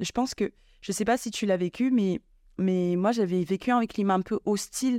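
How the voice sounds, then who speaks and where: A woman's dark, mellow tone at a medium pitch, with a dry, close sound and no echo. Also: ordinary pitch variation, moderate pace. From Madagascar. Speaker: entrepreneur. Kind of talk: casual chat.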